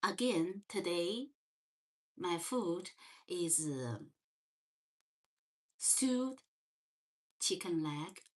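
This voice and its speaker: Woman, Chinese accent, unhurried, gentle livestream host, slightly low voice. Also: animated. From China. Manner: slow and gentle, many fillers and restarts. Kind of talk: casual livestream chat. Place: parents' home.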